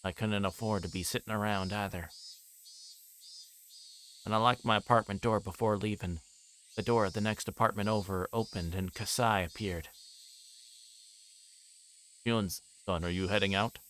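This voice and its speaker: Reading a visual novel aloud on a livestream, a man with a low, steady voice switches between reciting the text and casually rambling as he thinks out loud. He speaks at a moderate pace with long pauses, while background noise and chirping insects fill the ambience.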